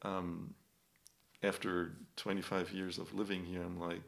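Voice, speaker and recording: Very deep, gravelly-voiced man. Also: a little slow. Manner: laughs easily, relaxed and chatty. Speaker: podcast co-host. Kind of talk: casual conversation.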